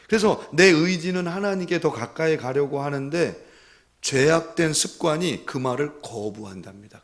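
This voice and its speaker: A male pastor preaching a Sunday sermon. He tells his story quietly at first, then builds to loud, impassioned pleading, often speaking straight to the congregation. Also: a little high. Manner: earnest, addresses the congregation directly.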